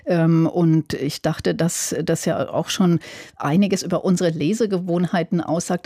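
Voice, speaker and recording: A radio interviewer asking measured, somewhat hesitant questions with fillers. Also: medium pitch, mellow, dry recording, studio quality.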